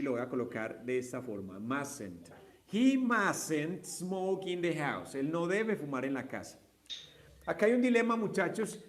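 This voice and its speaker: A man teaching English grammar to a class, explaining step by step, mixing Spanish with English examples and often asking "¿sí?" to check understanding. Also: fairly high pitch. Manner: patient, step-by-step, asks students checking questions.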